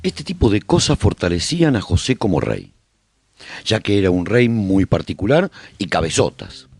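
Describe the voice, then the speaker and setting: A man playing a survivor who calmly narrates life in a post-apocalyptic colony for a radio drama, reflective and husky, with pauses. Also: on the low side, faint music behind. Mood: calm recounting. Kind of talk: scripted first-person radio drama narration.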